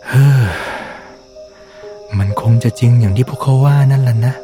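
A man's voice: mid-range voice, very fast, dark tone, soft background music, voice pushed up, lightly acted. A man doing a timid sighing young dragon. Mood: hopeless.

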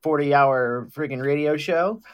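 A man's voice: a little high, a little slow, smooth. A man co-hosting a radio show, teasing his partner in casual, joking chat. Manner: teasing, playful banter. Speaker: radio co-host.

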